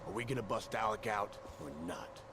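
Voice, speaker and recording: An actor playing a gruff, blunt male street thug in a video game, grumbling as he talks. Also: lowish voice, brisk, close to an everyday voice. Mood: gruff, impatient. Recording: loud outdoor ambient noise.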